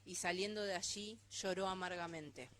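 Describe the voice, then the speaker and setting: A woman reading a Bible passage aloud in a steady, measured way during a church service. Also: lowish voice. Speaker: scripture reader.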